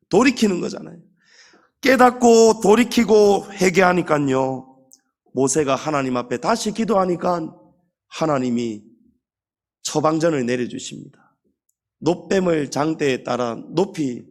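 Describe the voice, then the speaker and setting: A male pastor preaching a Sunday sermon. He speaks emphatically, addresses the congregation directly and slows down to stretch key words. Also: on the high side.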